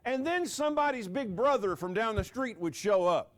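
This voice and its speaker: A man in his sixties preaching a sermon with dramatic pauses, dropping his voice low on key words and joking with the congregation. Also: lively intonation. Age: 60s. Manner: jokes with the audience.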